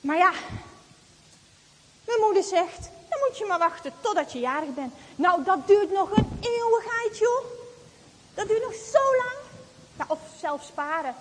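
A woman's voice: extremely high pitch, expressive, measured pace, long pauses. A woman acting as a chatty little schoolgirl who longs for a doll, speaking straight to the audience in a stage monologue, in an echoey hall. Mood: wistful. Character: little schoolgirl, wistful, tempted to take a doll. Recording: echoey hall, faint background noise.

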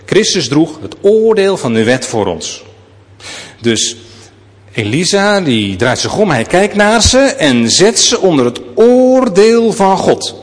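Guy preaching in a church, lively storytelling voice, lots of echo. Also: high voice, slow. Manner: lively storytelling, addresses listeners directly. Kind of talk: sermon.

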